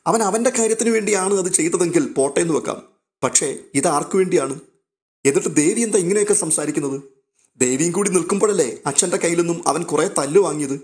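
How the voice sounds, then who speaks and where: A man's voice: on the high side, a little mellow, close to an everyday voice. A man reading a remorseful young husband. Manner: pleading, remorseful. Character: guilt-ridden young husband, elder brother.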